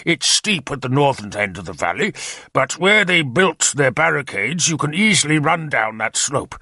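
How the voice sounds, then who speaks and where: A man reading as a bold warlord full of fight, his voice lifted and lively as he drives home his plans. The tone is bright and forceful, and it sounds dry and close to the mic. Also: a little high, normal speed, dry recording, voice pushed up, heavily acted. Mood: commanding. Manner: energetic, decisive, commanding. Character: bold confident male warlord commander.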